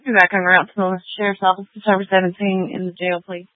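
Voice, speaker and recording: A woman's voice: medium pitch, level tone, quick pace, dry recording. A woman police dispatcher speaking in clipped radio codes over a police radio transmission. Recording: tinny radio channel, dry.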